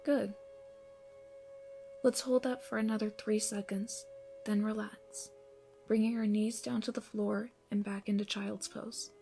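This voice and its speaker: Actress as calm, encouraging female yoga teacher for ASMR roleplay; soft, near-whispered guidance, medium pitch, light music underneath. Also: a little slow, pauses often. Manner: soothing, breathy instructions, often softening toward a whisper. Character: gentle, encouraging female yoga instructor leading a morning class. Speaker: yoga instructor.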